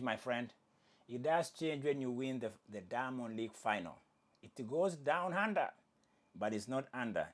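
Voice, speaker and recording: A man hosting a casual sports commentary show, with Swahili as his first language, joking and correcting himself as he talks. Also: a little high. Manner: animated, jokey, self-correcting. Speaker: host.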